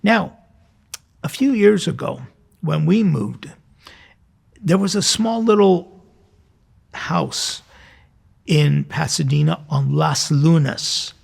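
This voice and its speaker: A man's voice: a little high, lively intonation, takes it slowly, vocal fry, long pauses, a little mellow, slightly rough. A middle-aged or older American man, a priest, giving an informal sermon with personal stories in a conversational, reflective way. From Southern California, United States. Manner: conversational, reflective, rhetorical questions. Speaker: priest, host.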